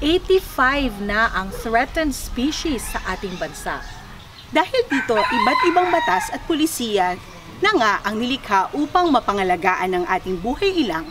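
Clear music in the background beneath a woman's fairly slow speech. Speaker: TV show co-host. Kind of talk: presenter intro narration. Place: forest.

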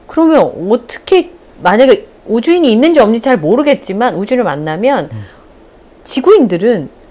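A fairly high-pitched woman's voice with very wide pitch swings at a moderate pace. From South Korea. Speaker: YouTube channel host, former news anchor. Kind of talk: interview. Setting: studio. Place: studio. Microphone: lapel.

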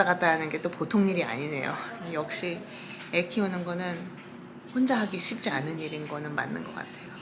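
A woman talks at a fairly low pitch with ordinary pitch variation. Noticeable background noise runs under her voice. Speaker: vlogger. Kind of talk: casual vlog chat. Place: kitchen.

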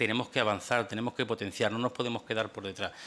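Fairly low in pitch, the man's voice has a bright, sharp tone. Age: 40s. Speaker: politician and civil guard officer. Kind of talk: parliamentary committee speech. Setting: parliamentary committee hearing. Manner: halting, with frequent fillers and repetitions.

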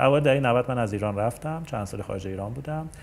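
Very fast pace from a male speaker, pitch variation ordinary. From Iran. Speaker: startup CEO; guest. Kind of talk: interview. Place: studio. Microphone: lapel.

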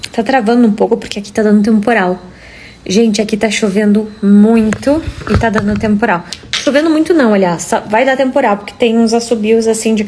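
Ordinary pitch variation marks a woman's speech at a moderate pace. Light background noise sits behind her. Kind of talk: casual live-stream chat. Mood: serious, occasionally laughing. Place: home room. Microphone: phone near.

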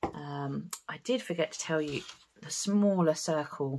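Light background noise sits behind a speaker with a southern English accent and ordinary pitch variation. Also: woman. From Kent, England. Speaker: craft demonstrator; papercraft demonstrator. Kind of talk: tutorial. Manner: casual, with many fillers. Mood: cheerful, relaxed. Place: home room.

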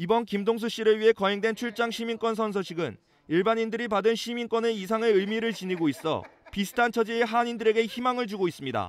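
At a very fast pace, a man talks in a high pitch. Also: fairly even intonation. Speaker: news reporter. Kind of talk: TV news report narration.

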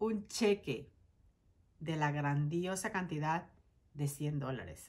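Speaking at a very slow pace, a woman lets her pitch vary in an ordinary way. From Mexico, Veracruz. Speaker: beauty vlogger. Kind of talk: casual vlog monologue. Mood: candid, personal. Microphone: lapel.

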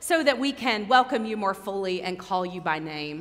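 A raised, projected voice speaks at a moderate pace, its pitch swinging very widely. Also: woman. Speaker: pastor. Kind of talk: worship welcome announcement. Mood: warm, welcoming. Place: church.

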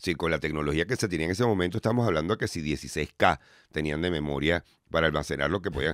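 In a Venezuelan accent, a man with a very deep, low pitch and ordinary pitch variation speaks at a very fast pace in an animated tone, with a quiet background and a dry sound with no echo. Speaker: podcast host; podcast guest or host. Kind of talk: casual chat. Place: studio. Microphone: studio mic.

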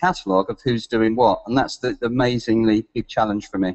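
A man speaks fairly quickly with a British accent. His intonation stays fairly even. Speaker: community member and blogger. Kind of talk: live video call. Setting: video call.

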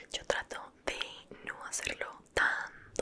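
Someone whispers in a soft-spoken way against noticeable background noise. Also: woman. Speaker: ASMR creator. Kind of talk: soft ASMR role-play talk. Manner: soft close-mic ASMR whisper. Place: home room. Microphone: studio mic.

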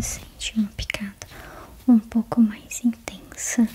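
Soft-spoken and gentle in tone, a woman talks at a very slow pace. Light background noise is present. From Brazil. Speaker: ASMR creator. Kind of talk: ASMR roleplay, acupuncture clinic. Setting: studio, close microphone. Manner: soft-spoken, gentle, slow. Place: home room. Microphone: studio mic.

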